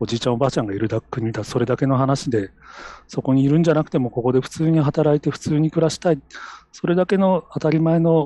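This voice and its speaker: Dry and close with no echo, a man's dark, mellow voice runs at a very fast pace and a fairly high pitch with ordinary pitch variation. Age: 50s. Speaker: lawyer. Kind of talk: interview.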